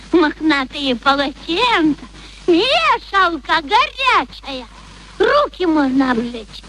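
A woman's voice: sits high, sharp tone, a little hiss or hum, heavily acted, rough recording. An actress playing a brash, naive young flower girl with uneducated, exclamatory chatter in a radio play. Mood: naive wonder.

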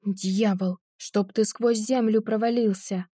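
A woman voicing an elderly gentleman who is quick to anger and indignant, often crying out in an audiobook. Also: mid-range voice, steady tone, no room sound, clean studio sound, lightly acted. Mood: outraged. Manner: shouting, indignant.

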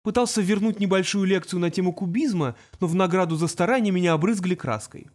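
A man's voice: high-pitched, quick pace, darkish tone, voice pushed up, close to an everyday voice. A man voicing a patient teenage boy genius who talks in a precise, lecturing way.

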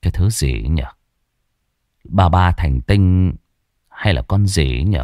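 A man voicing a calm young village exorcist who speaks in a low, matter-of-fact way. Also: brisk, no echo, clean studio sound, natural voice.

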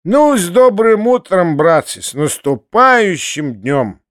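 A man's voice: sits high, sing-song, takes it slowly, a bit bright, dry recording, studio quality, pitched above the performer's own voice, exaggerated voice. A man putting on a thin rattling drunken carpenter. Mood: mournful. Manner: drawling, mournful, sly. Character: drunken ragged middle-aged male carpenter.

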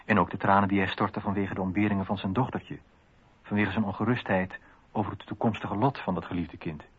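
An actor playing a man who gives solemn, deliberate testimony about his friend in a radio drama. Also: sits low, steady tone, husky. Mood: solemn, mournful. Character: grieving male friend of a philosopher, giving testimony. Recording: thin phone-like radio sound.

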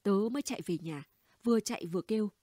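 A woman's voice: medium pitch, quick pace, warm tone, no echo, clean studio sound, close to an everyday voice. A woman reading the dialogue of a gossipy, blunt middle-aged neighbor woman in an audiobook, chatty and conspiratorial. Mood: gossiping.

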